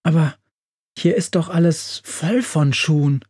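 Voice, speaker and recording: A man voicing a kindly female witch in a children's audio story, speaking gently. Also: a little high, unhurried, slightly rough, pitched above the performer's own voice. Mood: curious.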